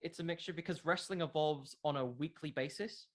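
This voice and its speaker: A man's voice: a little high, a little fast. A young man talking casually as an interview guest, explaining things earnestly in a rambling way. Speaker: interview guest, wrestling content creator.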